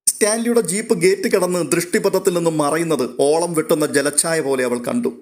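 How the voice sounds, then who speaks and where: Guy reading a serial story out loud, measured and literary, voice a bit high. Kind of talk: scripted narration of a serial story.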